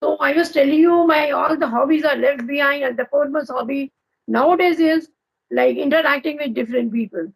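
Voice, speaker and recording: A woman's voice: sits high, brisk, creaky, low-quality recording. A woman with an Indian English accent hosting an English practice video call, asking friendly, encouraging questions. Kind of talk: casual video call chat.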